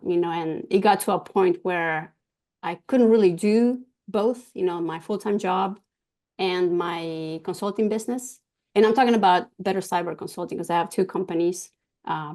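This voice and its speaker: A woman from Argentina whose first language is Spanish, a guest talking about her business in an interview, pausing often with ums and restarts. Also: lowish voice, dark tone. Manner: hesitant, many ums and restarts. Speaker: guest, cybersecurity business owner. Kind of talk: casual interview talk.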